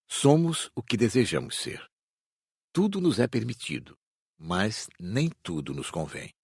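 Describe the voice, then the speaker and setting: Guy playing a wise calm brazilian spirit teacher, low husky voice, explains patiently in an audiobook. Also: measured pace, no room sound, clean studio sound, full character voice. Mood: patient, didactic. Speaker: audiobook voice actor. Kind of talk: audiobook dramatised reading.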